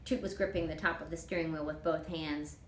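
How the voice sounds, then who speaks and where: A woman author reading a children's novel aloud as expressive, scripted first-person narration. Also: deep voice, fairly quick. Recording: roomy echo, clear background noise.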